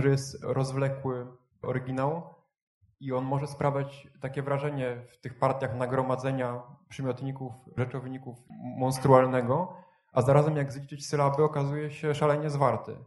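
A man moderating a panel discussion, speaking in a measured, analytical way. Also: mid-range voice, darkish tone. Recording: roomy echo.

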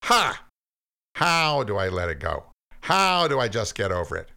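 A bitter, defiant young man who bristles with sarcasm and refuses to back down, as a storyteller puts him on. His voice rides high and swings wildly, with a gravelly edge underneath. He sounds like a sulking figure from a storybook. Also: big pitch swings, measured pace, sharp tone, heavily acted. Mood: skeptical, mocking. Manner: sarcastic, heated, insistent. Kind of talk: storybook reading.

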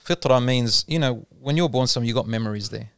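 Male Islamic speaker in a relaxed chat, explains patiently with anecdotes, gravelly and resonant, dry recording. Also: mid-range voice, a little fast, no room sound. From Australia. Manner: explains patiently, tells anecdotes, mixes in Arabic terms. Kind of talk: casual religious discussion.

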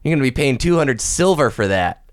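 A man hosting a casual gaming podcast, talking in a chatty, easygoing way with a mid-pitched voice. He sits close to the mic in a dry, dead room with no echo. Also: lively intonation, brisk. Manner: chatty, reads listener posts aloud. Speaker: podcast host.

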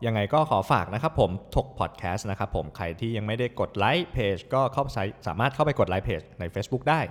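A man's voice: on the low side, animated, fast talker, big-room sound. A man hosting a casual podcast, agreeable, backing his co-host with short replies and wrapping up the episode. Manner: agreeable, frequent short backchannels.

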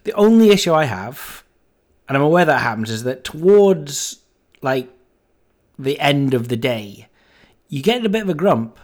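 A man's voice: fairly high pitch, very animated, normal speed, darkish tone. A man giving an unscripted, casual podcast monologue as host, rambling and interrupting himself, talking over a fan in a home office. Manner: rambling, self-interrupting, mildly sweary. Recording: voice over fan noise, faint music. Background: fan running nearby, television on.

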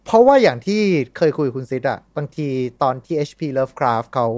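A man's voice: mid-range voice, very animated, a little fast, darkish tone, dry recording. A man hosting a casual podcast, asking questions and teasing his co-host.

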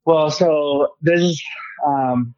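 A man's voice: on the high side, very slow, darkish tone, smooth, dry recording. A man calling in to co-host a casual chat, his voice coming through a muffled phone line that sounds like a wind tunnel as he talks in an eager, rambling way. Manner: eager, rambling fan talk. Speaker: podcast co-host. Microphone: phone call.

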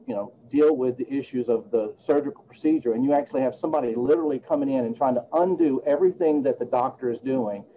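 Late-fifties male attorney guest, earnest and measured, deep mellow tone. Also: rough recording. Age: 50s. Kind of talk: podcast interview.

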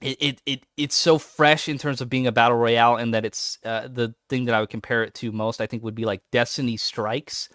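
A man's voice: medium pitch, brisk, few pauses, dry recording, clean studio sound. A man co-hosting a podcast in casual chat, talking with growing enthusiasm. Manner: enthusiastic, animated when excited. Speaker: podcast co-host.

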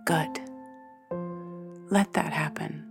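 A woman with a slightly low voice leads a guided sleep meditation. She speaks very slowly and soothingly, leaving long pauses between hushed phrases. Gentle guitar and piano music plays clearly underneath. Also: steady tone. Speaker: meditation guide, podcast host. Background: soft guitar and piano music.

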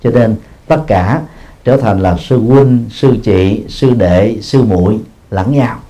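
A man, a Buddhist monk, giving a dharma talk at a practice hall, explaining at length, padding his phrases with a drawn-out filler and chuckling at himself. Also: lowish voice, warm tone. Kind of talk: dharma talk answering questions.

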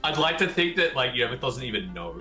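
A man's voice: mid-range voice, very animated, fairly quick, pushed and bright, faint music behind. A man chatting casually as a tabletop game player, recorded in a roomy space. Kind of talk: casual chat. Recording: roomy echo.

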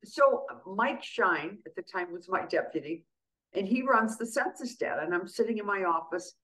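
An older woman who grew up speaking Greek tells her stories as a radio interview guest. She talks in a lively, animated way and acts out the conversations she quotes. Her pitch sits in the middle for a woman. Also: normal speed, rough recording. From USA. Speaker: guest, county treasurer.

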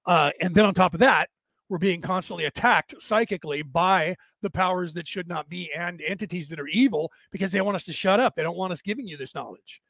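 A man with a raspy, tired, worn-out voice, talking casually and haltingly as he hosts a rambling livestream and answers listeners. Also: sits high, fairly bright tone, no echo. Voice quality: raspy, damaged-sounding voice from long-standing vocal cord trouble. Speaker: host of a spiritual talk livestream.

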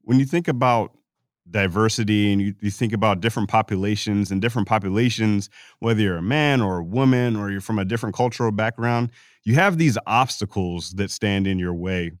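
Measured low-voiced male podcast host. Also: no echo, clean studio sound. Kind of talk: interview questions.

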